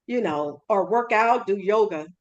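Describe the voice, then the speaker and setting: A woman hosting an interview, chatty and friendly and quick to laugh. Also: medium pitch, animated, lo-fi sound. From California. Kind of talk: casual interview chat.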